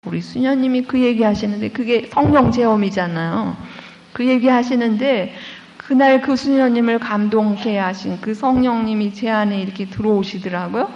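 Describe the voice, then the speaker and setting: Brief: woman, a nun lecturing, lively sermon-style storytelling, dull recording in a reverberant hall. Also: on the high side, normal speed, a little hiss or hum. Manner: lively storyteller who acts out quoted voices. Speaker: Catholic nun giving a lecture.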